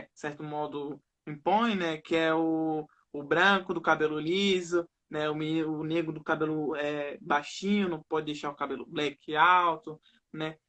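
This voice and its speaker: A young Northeastern Brazilian man on a video call, his voice sitting a bit high for a man. He keeps his regional accent and ends almost every phrase with a tag question. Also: a bit bright. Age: young adult. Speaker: guest. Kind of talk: personal testimony in a live interview.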